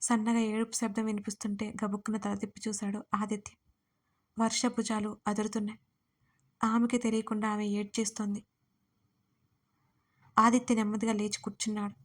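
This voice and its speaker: A woman narrating an audio romance story in a soft, steady reading voice. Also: mid-range voice, moderate pace, pauses often.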